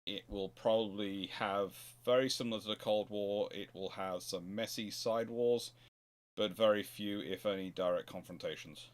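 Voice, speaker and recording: A man's voice: lowish voice, steady tone, moderate pace. A man hosting a history question show, thinking aloud in casual, rambling answers and repeating his phrases as he goes.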